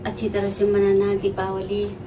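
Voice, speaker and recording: A woman's voice: medium pitch, completely flat delivery, a little slow, recorded from a distance. A middle-aged woman, the vlogger's mother, talking in a matter-of-fact, scolding way.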